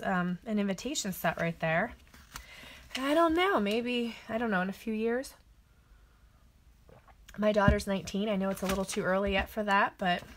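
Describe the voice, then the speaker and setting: A woman's voice: medium pitch, slight background noise. A middle-aged woman hosting a casual catalog walk-through, chatty and gushing, thinking aloud as she shows her cards. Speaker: papercraft demonstrator.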